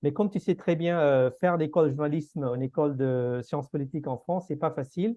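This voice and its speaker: A man with a Tamil accent talks at a fairly quick pace. His pitch is fairly high, with ordinary variation. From India, Pondicherry (French school). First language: Tamil (speaking French). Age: 50s. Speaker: innovation researcher. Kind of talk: podcast interview. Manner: hesitant, many fillers.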